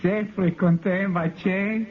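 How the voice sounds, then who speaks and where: An actor playing a sadistic jailer who taunts slowly and laughs maniacally, in a 1950s radio drama. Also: male voice, sits high, fairly even intonation. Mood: taunting. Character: gleeful sadistic male jailer. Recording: muffled old radio broadcast.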